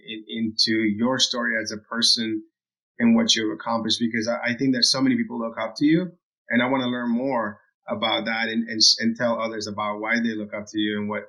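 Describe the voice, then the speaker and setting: A man's voice: medium pitch, bright, forceful tone, rough recording. A man hosting a podcast conversation, often repeating words and restarting as he talks. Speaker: podcast host.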